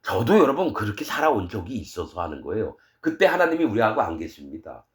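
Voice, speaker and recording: A middle-aged man preaching a sermon as pastor, fiery and scolding, switching between loud outbursts and quiet asides. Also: lowish voice, big pitch swings, quick pace.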